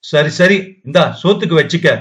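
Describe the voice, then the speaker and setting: A man's voice: on the high side, normal speed, a bit bright, close to an everyday voice. A man doing a slurring drunk rickshaw man. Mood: mocking drunk. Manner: slurred, mocking speech. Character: drunk young rickshaw man, bitter and mocking. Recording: dull lo-fi audio.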